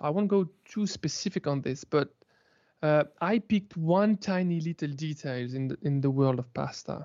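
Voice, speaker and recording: Speaking at a moderate pace with a French accent, a man uses a fairly high pitch and ordinary pitch variation. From France. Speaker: food YouTuber and engineer. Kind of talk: interview. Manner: halting.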